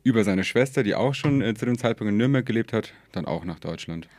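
A man in his twenties, a podcast guest from Germany, talking in a relaxed, hesitant way with many fillers and easy laughter. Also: fairly low pitch, quick pace, no echo. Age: 20s. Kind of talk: casual conversation.

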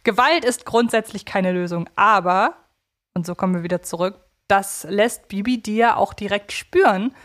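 A woman's voice: medium pitch, normal speed. A woman hosting a podcast, giving conversational commentary. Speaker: podcast host.

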